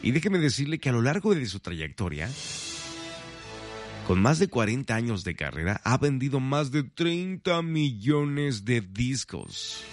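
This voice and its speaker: A man's voice: medium pitch, big pitch swings, a little slow, soft background music. A man hosting a morning radio trivia segment, chatty and playful, talking straight to listeners. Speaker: radio host.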